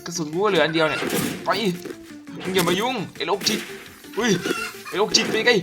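A man giving casual gameplay commentary as a gaming YouTuber, excitable and profane, often shouting at the enemies on screen. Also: high-pitched, brisk. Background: game music.

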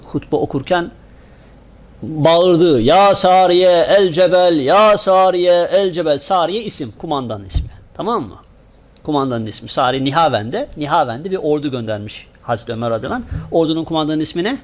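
A man's voice: fairly high pitch, very animated, fast talker. A male preacher giving a sermon to a congregation, asking the listeners questions, answering them himself and repeating words in rhythmic runs. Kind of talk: Friday sermon talk to a congregation. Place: small mosque.

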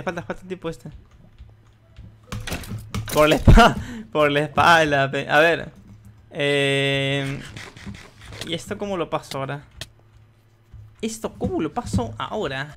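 Young guy doing game commentary, bright punchy voice, cusses and yells at the screen. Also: fairly high pitch, a little hiss or hum. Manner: excitable, swears a lot, yells at the game. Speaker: gaming youtuber. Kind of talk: live gameplay commentary.

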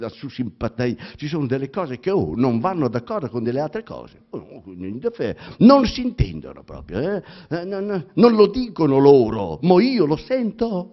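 A man with a Romagna accent reading a theatrical monologue aloud, halting and stammering, full of repetitions and fillers. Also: mid-range voice. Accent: Romagna Italian. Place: public library reading event. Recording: dull lo-fi recording.

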